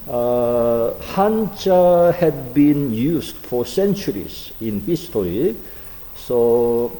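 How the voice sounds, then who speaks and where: Slow, dark-voiced man teaching a class. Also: mid-range voice, big-room sound, low-quality recording. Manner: slow, halting, many fillers. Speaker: Korean language teacher. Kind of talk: online class lecture.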